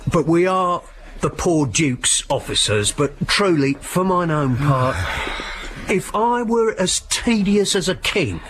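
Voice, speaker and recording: A man's voice: fairly high pitch, expressive, slow, background noise. An actor playing a self-important, bumbling constable who muddles his words in a Shakespeare audio play. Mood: pompous. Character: pompous bumbling male constable.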